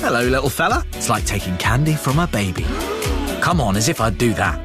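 A man's voice: mid-range voice, very animated, brisk. A man voicing a playful, sing-song radio advert. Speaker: ad voice-over. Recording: music bed behind.

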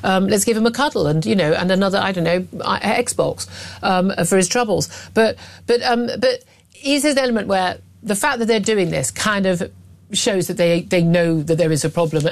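A woman hosting a talk radio show, speaking emphatically and with sarcasm, full of restarts and asides. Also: on the low side.

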